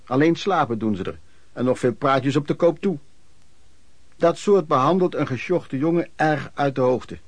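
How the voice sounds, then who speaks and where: A man's voice: a little high, normal speed, dry recording, natural voice. An actor in a Dutch radio play playing a wry, plain-spoken pedlar recounting his wanderings. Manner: colloquial, matter-of-fact storytelling. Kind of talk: dramatised first-person narration.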